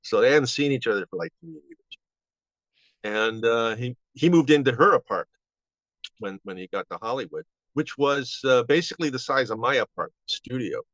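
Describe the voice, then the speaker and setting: An elderly man in his seventies looks back casually as an interview guest. He talks in a halting, rambling way, restarting sentences. The recording is slightly dull and lo-fi, with hardly any room sound. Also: mid-range voice, expressive, fairly bright tone, no echo. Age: 70s. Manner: halting, rambling with false starts. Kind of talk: casual reminiscing. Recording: dull, band-limited audio.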